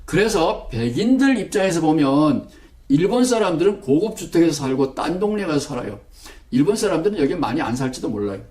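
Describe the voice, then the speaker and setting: Male theology lecturer from Gangwon, Korea; animated, acts out quotes, pitch leaping up and down. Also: brisk. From Gangwon Province, Korea. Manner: animated storytelling, acting out quoted remarks.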